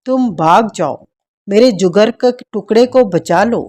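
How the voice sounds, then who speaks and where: Storybook: anguished young mother begging , read by a woman; slow, soft, mellow. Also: medium pitch, expressive. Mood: pleading. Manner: pleading, anguished. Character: desperate young mother pleading for her baby.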